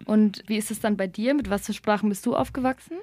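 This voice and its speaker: Woman, podcast host, quick curious questions, medium pitch, dry sound. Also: a little mellow, no echo. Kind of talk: interview conversation.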